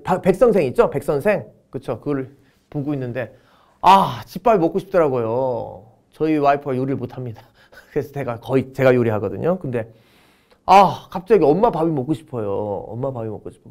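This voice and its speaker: A man teaching a history lecture for exam prep, joking and telling stories as he goes. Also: mid-range voice. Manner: joking, storytelling, drawn-out words for effect.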